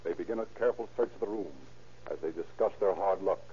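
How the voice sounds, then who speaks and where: A man's voice: sits low, quick pace, mellow, slight background noise. A man narrating an old radio crime drama in a scripted, dramatic style. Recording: dull, muffled old radio recording.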